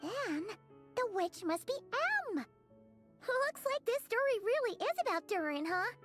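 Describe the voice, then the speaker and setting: Tiny fairy sprite, squeaky, very high, bouncy, game music behind. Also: female voice, measured pace, full character voice. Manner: excited, inquisitive. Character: tiny floating female fairy companion, chirpy and curious. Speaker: game character.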